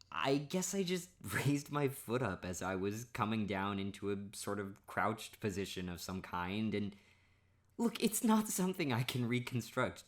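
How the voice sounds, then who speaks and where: A man doing a soft, playful boyfriend ASMR monologue, self-mocking and laughing often. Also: mid-range voice.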